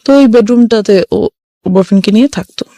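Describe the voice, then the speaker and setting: Casting note: young woman, mid pitch, earnest confessional storyteller, dry close mic. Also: fast talker, dark tone, dry recording. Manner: earnest, mixes English phrases into her talk. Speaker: guest telling her life story. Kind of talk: personal storytelling.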